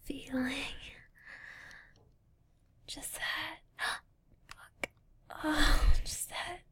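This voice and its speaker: A young woman performing an intimate roleplay, talking in a teasing, breathy manner and often dropping to a whisper close to the microphone. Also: high voice, fairly even intonation, drawn-out words, sharp tone.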